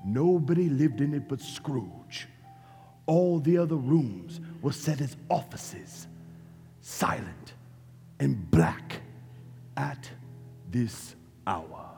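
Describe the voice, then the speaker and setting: A man narrating a stage radio play as a theatrical, measured, suspenseful storyteller with a creaky voice. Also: fairly high pitch, darkish tone. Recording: reverberant hall, music behind.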